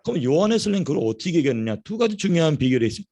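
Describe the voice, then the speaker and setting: A man preaches a sermon in a church, telling stories with animation. His voice is gravelly and sits a bit high. He repeats phrases for emphasis. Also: racing. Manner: storytelling, animated. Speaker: pastor.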